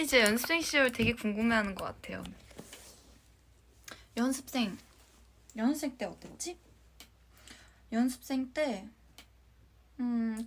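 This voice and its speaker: A young woman from Jeonju with a light Jeolla accent, chatting casually with fans on a livestream, giggling and sometimes dropping into a soft whisper. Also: a little high. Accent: light Jeolla Korean. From Jeonju, Korea. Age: young adult. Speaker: idol livestream host.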